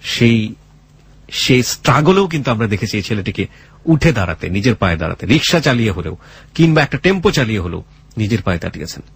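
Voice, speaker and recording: A man's voice: lowish voice, big pitch swings, fast talker, gravelly, breathy edge. A man with a Bangladeshi accent hosting a radio show, speaking earnestly and emphatically with dramatic phrasing. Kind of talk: radio storytelling and interviewing. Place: radio studio.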